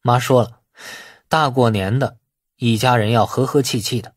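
A man voicing a shrewd, self-possessed young man in an audiobook, measured and dryly sardonic. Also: medium pitch, steady tone, no echo, clean studio sound, lightly acted. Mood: restrained, cool.

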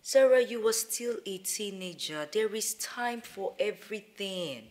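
A woman's voice: mid-range voice, animated, unhurried, a little mellow, natural voice. An actress with a Nigerian accent playing a patient, earnest mother in a naturalistic film drama. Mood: earnest, pleading. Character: patient, earnest mother advising her teenage daughter. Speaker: actor. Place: large living room.

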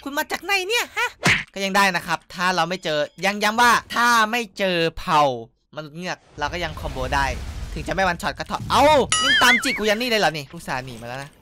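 A young man giving excitable, loud gameplay commentary, cursing and yelling at opponents, his throat sore from shouting. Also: high-pitched, fast talker, few pauses, noisy background. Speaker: gaming YouTuber. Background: game music.

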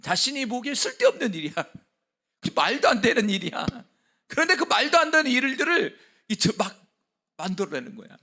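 A man preaching a sermon as pastor, conversational, laughing often and dropping to quiet whispered asides. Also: extremely high pitch, very animated, a little fast.

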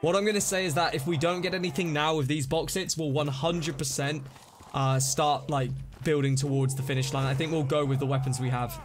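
Excitable streamer, hoarse-voiced man. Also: on the high side, fairly quick, slight background noise. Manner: excitable, chatty, greets chat by name. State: losing his voice. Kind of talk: live-stream gameplay chat.

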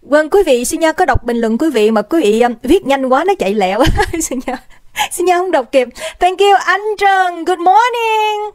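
Bubbly high-voiced livestream hostess. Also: female voice, expressive, normal speed, a little mellow, no room sound. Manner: bubbly, greets viewers by name, drops English phrases. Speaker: livestream host. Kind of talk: casual livestream chat. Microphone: desk microphone.

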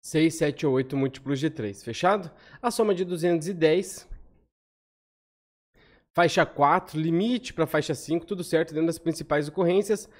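Brazilian man talking fast through lottery stats. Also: on the high side. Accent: Brazilian Portuguese. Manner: quick, conversational, frequent "tá?" tag questions. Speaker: lottery analysis host. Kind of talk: casual spreadsheet walkthrough. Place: home room, on webcam over screen share.

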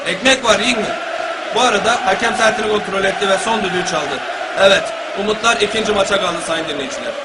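A man's voice: high voice, fast talker, over a noisy crowd, close to an everyday voice. A man playing an exasperated, foul-mouthed local football commentator in a comic parody, with a Gaziantep Turkish accent, mixing formal match calls with folksy grumbling. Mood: wry narration. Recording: clear background noise and ambience.

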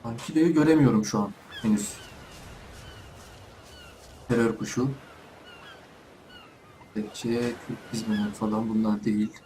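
A man's voice: fairly low pitch, steady tone, unhurried, long pauses, dark tone, a little hiss or hum. A young man giving casual let's play commentary from home, chatting to himself and the animals in the game. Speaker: gaming YouTuber.

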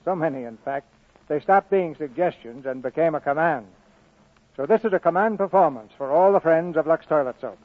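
A man's voice: fairly high pitch, expressive, fairly quick. A man hosting a 1940s radio theatre broadcast, reading scripted announcements. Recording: muffled narrowband vintage radio broadcast.

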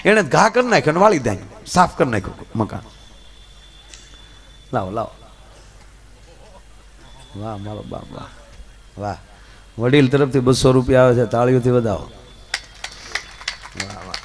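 Lively male folk storyteller. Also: medium pitch, normal speed, pauses often. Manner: lively, swings between loud and soft asides. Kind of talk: live folk storytelling on stage.

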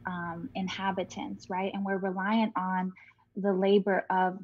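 A woman in her thirties, a postdoctoral scholar, explaining in a measured way on a video call from home. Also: mid-range voice, flat delivery, muffled recording. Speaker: guest scholar. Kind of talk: academic panel answer. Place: home living room, indoors. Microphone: video call with earbuds.

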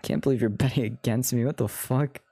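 A man's voice: mid-range voice, steady tone, fairly quick, mellow, slightly rough. A young man streaming a game, chatting casually with a friend in a loose, joking, profane way. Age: teens. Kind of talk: casual gaming chat.

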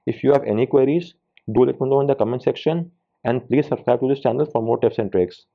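A man's voice: mid-range voice, fast talker, vocal fry. A man narrating a step-by-step tech tutorial, instructing viewers directly as the host. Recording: tinny phone-like band-limited sound.

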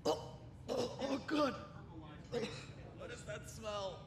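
A woman's voice: on the high side, extremely slow, background noise. A woman playing a nervous, whiny, naive young sidekick in a comedic audio drama, anxious and stammering. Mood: disgusted.

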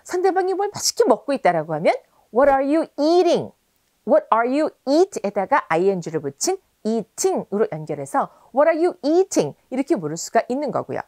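A woman teaching English in a video lesson, saying example phrases slowly and clearly. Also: a little high, a little mellow, no room sound.

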